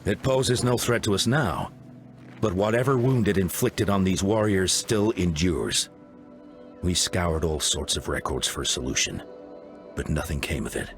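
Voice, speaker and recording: An actor playing a grave, composed tribal leader in a video game, speaking in a formal, measured way. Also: male voice, sits low, animated, faint music behind. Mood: somber. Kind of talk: scripted game voice acting.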